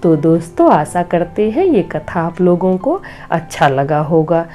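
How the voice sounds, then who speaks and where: Slow, mellow-voiced woman, slightly hoarse. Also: lowish voice, expressive, soft background music. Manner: earnest, preachy, gently advising. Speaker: devotional storyteller and channel host. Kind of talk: moral talk and devotional storytelling.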